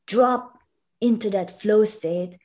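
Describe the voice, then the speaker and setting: Woman with a German first language, mellow voice. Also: medium pitch, slow. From Italy. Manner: earnest, explanatory, with frequent restarts. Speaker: guest educator. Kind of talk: conversational interview.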